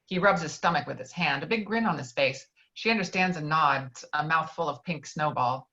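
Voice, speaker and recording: A woman's voice: low voice, normal speed, pushed and bright. Woman reading screenplay directions, dull audio. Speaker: stage directions reader. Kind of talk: scripted narration of a screenplay.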